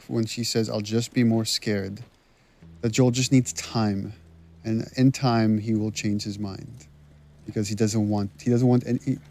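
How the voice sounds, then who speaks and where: A man's voice: lowish voice, creaky, a little mellow. A man, the game's writer and director, talking through scenes in developer commentary in a thoughtful way, with frequent stammered restarts.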